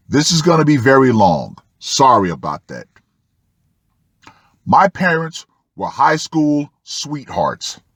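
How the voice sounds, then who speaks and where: A man hosting an online commentary show, reading a post aloud and commenting with deliberate, dramatic emphasis and drawn-out words. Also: medium pitch, a bit bright, no room sound, studio quality.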